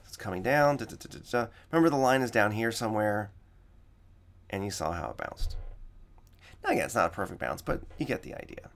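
Raspy-voiced man teaching code step by step. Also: fairly low pitch, lively intonation, brisk. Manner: explains step by step, repeats key points. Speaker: coding teacher. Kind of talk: screen-recorded coding tutorial.

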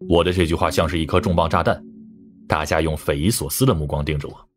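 Very deep-voiced male audiobook narrator. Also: fast. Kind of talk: scripted first-person crime novel narration. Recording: music under the voice. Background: background music.

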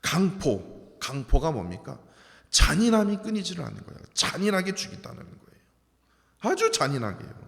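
High-pitched, animated man preaching. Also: normal speed, vocal fry. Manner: animated preaching with rhetorical questions, sudden drops to near-whisper. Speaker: pastor. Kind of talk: sermon. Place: church sanctuary. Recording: long hall reverb.

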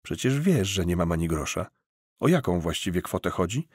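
A man plays a doubtful, naive young man in an audiobook. He talks slowly and warily, as if questioning everything, in a lowish, husky voice. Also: sing-song, darkish tone, no echo, studio quality, full character voice. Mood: baffled. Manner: slow, wary, questioning.

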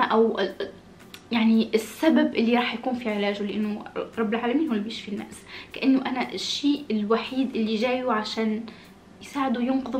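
A woman's voice: fairly high pitch, echoey room, a little hiss or hum. A woman in her late twenties chatting casually and expressively as she answers viewer questions in a small room. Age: late 20s. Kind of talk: casual chat. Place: small indoor room with red curtains.

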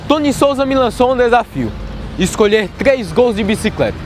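A young man presenting football goal highlights. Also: sing-song, normal speed. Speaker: sports presenter. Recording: noisy outdoor street recording.

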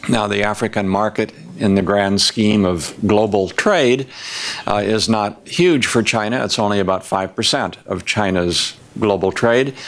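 An older man speaking as a panelist at a conference table, laying out his points methodically in a prepared policy talk. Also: fairly low pitch. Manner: measured, methodical, enumerating points.

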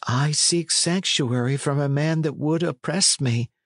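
A man's voice: a little high, unhurried, no room sound, clean studio sound, pitched above the performer's own voice. A man voicing a plaintive, delicate but proud young runaway in a storybook, in courtly pleading archaic speech. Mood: guarded. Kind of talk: storybook character reading.

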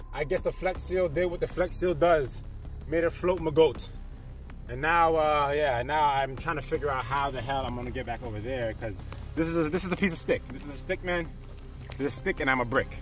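A man in his twenties with an African American accent, chatting excitably outdoors for a vlog in a nervous, exclamatory way, often repeating himself. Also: medium pitch. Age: 20s. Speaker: vlogger testing a homemade boat. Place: outdoors on a wooded pond.

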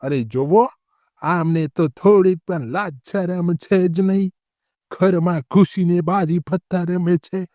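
A man voicing a stern, swaggering police officer in an animated moral story. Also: a little high, no room sound.

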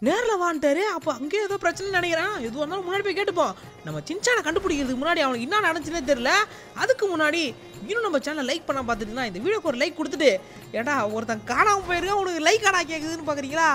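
A woman narrating a comic game role-play in an animated, exclaiming way. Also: very high voice, rapid-fire, soft background music. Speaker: gaming channel narrator.

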